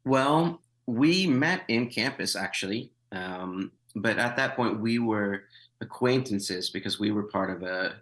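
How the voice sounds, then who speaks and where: This missionary guest, a man in his thirties, recounts his story in a conversational interview, wryly funny and full of fillers and false starts. He speaks at a measured pace in a somewhat low, slightly bright voice, captured on a poor-quality recording.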